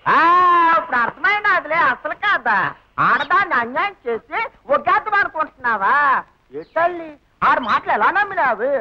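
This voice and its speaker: An actor playing a nosy, joking railway platform worker in a comic film scene. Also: male voice, very high voice, big pitch swings, moderate pace. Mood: mocking. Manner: nosy and mocking. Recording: lo-fi old film soundtrack.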